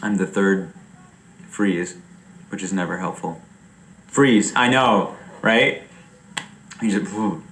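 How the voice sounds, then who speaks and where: A young man chatting casually on a livestream, rambling and animated, laughing often. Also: sits low, takes it slowly, pauses often, roomy sound, a little hiss or hum, low-quality recording. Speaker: streamer.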